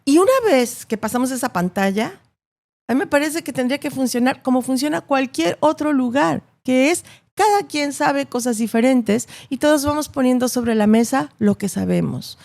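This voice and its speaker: A woman's high, gravelly, slightly mellow voice carries lively intonation at a moderate pace. She is a journalist with a Latin American Spanish accent, giving an interview and making her case emphatically through repeated words and rhetorical tags.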